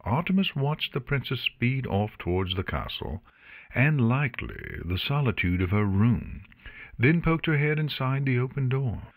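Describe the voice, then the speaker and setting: A man reading fantasy fiction as an audiobook narrator in an expressive, scripted storytelling style. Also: medium pitch, unhurried.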